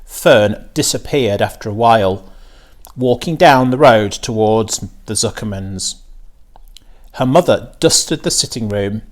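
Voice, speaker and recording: A man's voice: fairly low pitch, a little slow. A man reading a children's storybook aloud as a scripted narration. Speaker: story reader.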